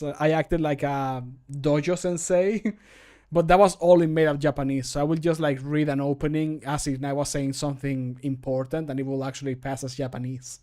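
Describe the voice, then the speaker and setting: A man's voice: on the high side, a little mellow. A man in his thirties chatting casually as a streamer, in an amused, self-deprecating way, close on the microphone. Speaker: streamer recording mod voicelines. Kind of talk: casual livestream chat. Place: small home room. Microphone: close studio microphone.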